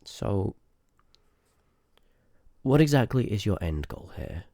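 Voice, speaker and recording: A man's voice: on the low side, big pitch swings, slow pace, gravelly, mellow, dry recording, full character voice. A man playing a rude, sardonic, curious sorcerer in a fantasy ASMR audio roleplay, with dry banter spoken straight to the listener. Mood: irritated, sarcastic. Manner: sarcastic, dry banter with muttered asides.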